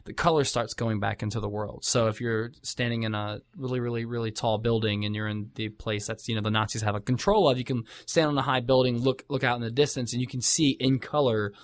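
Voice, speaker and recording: A man's voice: medium pitch, fairly even intonation, fairly quick, few pauses, no room sound. A man co-hosting a casual chat about games, rambling with many fillers and restarts.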